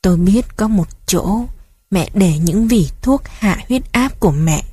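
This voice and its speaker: A woman reading a first-person memoir story aloud in a gentle, reflective storytelling manner. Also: mid-range voice, animated, measured pace, breathy edge, dry recording. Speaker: narrator. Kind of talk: scripted narration of a memoir story.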